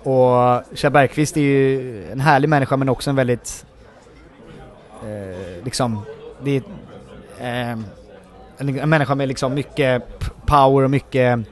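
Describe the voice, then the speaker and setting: Male actor guest, mid-pitch voice, chatty anecdotes full of fillers. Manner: rambling, many filler words, animated retelling. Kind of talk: casual interview storytelling.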